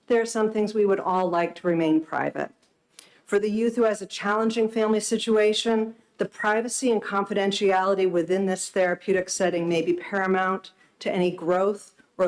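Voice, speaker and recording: A woman social worker giving formal, earnest testimony to a legislative committee, speaking in a measured way in a hearing room. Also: mid-range voice, a little mellow, low-quality recording.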